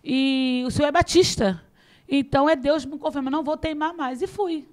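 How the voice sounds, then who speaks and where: A middle-aged woman pastor telling her testimony in a podcast interview, lively and acting out the dialogue, often laughing. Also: high-pitched, moderate pace. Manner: animated storytelling, acts out dialogue, laughs often.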